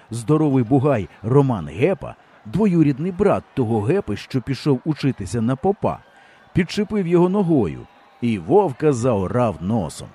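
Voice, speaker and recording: Male narrator, audiobook, animated pitch, mellow, husky. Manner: lively storytelling. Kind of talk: scripted narration.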